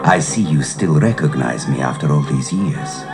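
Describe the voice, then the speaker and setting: An actor playing a menacing, imperious white-haired warlord bent on revenge in an audio storybook. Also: male voice, extremely low pitch, lively intonation, normal speed. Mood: cold, vengeful. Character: vengeful, menacing villain, muscular white-haired exiled warlord. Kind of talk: read-along audio adventure acting. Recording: cassette transfer with music underneath.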